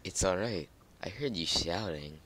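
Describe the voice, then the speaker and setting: A man voicing a dark, seductive male black hedgehog, speaking low, soft and teasing. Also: expressive, measured pace, slight background noise, full character voice. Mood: soothing.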